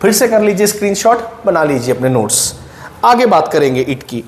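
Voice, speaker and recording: A man's voice: fairly high pitch, very animated. Indian man teaching English grammar in an echoey classroom. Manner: explains slowly, checks in with "right?" and "है ना". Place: classroom with a whiteboard. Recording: echoey room with faint noise.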